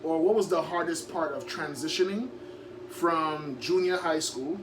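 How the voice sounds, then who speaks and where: An energetic man hosting a casual interview, chatty and upbeat, often saying "like" and "yo". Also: on the high side, unhurried. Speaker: motivational speaker and interviewer. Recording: distant mic with noise and hum.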